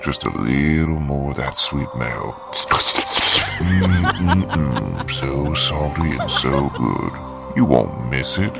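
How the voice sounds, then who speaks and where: A man's voice: rumbling low, lively intonation, slow, vocal fry, heavily acted. A man playing a sinister male hospital monster, coaxing and relishing, in a horror trailer. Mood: gloating, coaxing. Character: sinister, gloating hospital monster savoring its patient. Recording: loud music under the voice.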